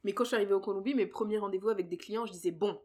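A woman's voice: medium pitch, steady tone, rapid-fire, a little mellow. A native French-speaking woman co-hosting a podcast in a casual, chatty way, reading out and answering listener questions. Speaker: podcast co-host.

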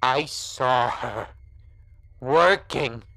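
Slow, deliberate monster posing as a friend. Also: mid-range voice, fairly bright tone, no echo. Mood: insistent, grave. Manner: slow, deliberate, insistent, coaxing. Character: monstrous creature posing as Herschel, a gangster's old friend. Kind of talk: noir horror audio drama acting.

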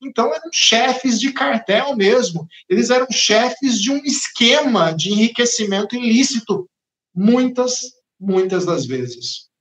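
A man's voice: very high voice, animated, a little slow, fairly bright tone, roomy sound. A man with a Brazilian Portuguese accent preaching a sermon in an emphatic, repetitive cadence.

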